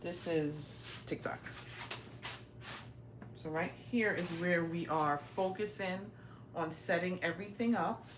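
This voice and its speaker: A woman's voice: lowish voice, takes it slowly, pauses often. A woman in her forties, raised in Brooklyn, hosting a casual live-stream tour of her home and chatting straight to her viewers on a handheld phone. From raised in Brooklyn, New York. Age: 40s. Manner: chatty, keeps addressing viewers directly. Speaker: livestream host. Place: indoor home, small rooms. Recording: roomy home audio, faint noise.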